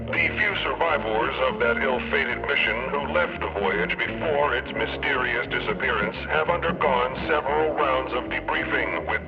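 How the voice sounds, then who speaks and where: A man reading a scripted news report as a broadcast announcer, through a radio filter. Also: medium pitch. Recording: dull radio-like sound, loud music.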